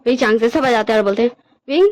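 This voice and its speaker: A woman's voice: fairly high pitch, steady tone, racing. A woman casually narrating her own fan fiction story, chatty and checking in with her listeners.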